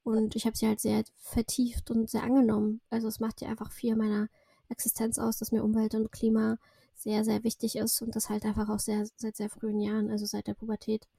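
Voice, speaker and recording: A woman in her thirties who grew up speaking Russian, with a fairly high voice that stays flat in melody and carries a gravelly fry. Her tone is dark and breathy, recorded dry and close. She talks as a guest in a rambling, reflective way, full of fillers and self-corrections. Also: a little fast, no room sound. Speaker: podcast guest, entrepreneur. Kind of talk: casual interview chat.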